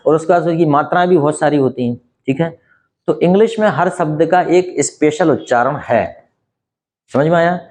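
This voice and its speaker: A man whose first language is Hindi, teaching a spoken English lesson and explaining slowly with many rhetorical questions. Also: a little high, a little mellow.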